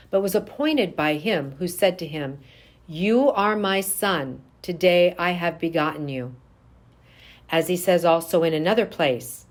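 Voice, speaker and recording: A woman reading scripture aloud as a church reader, formal and measured. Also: on the low side.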